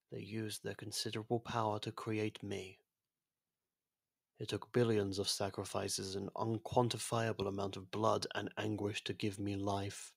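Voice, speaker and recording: A man playing an ancient otherworldly being with a destructive past, speaking formally and gently in an intimate ASMR roleplay, with a soft husky voice. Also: lowish voice, no room sound, studio quality, full character voice. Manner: measured, formal, gently confiding. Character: ancient genocidal otherworldly being, imprisoned, now courteous and fond.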